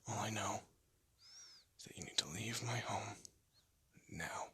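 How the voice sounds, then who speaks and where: A man voicing a hardened ex-gangster husband in an audio roleplay, talking in a low threatening whisper. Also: unhurried, fairly bright tone, a little hiss or hum. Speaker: voice actor.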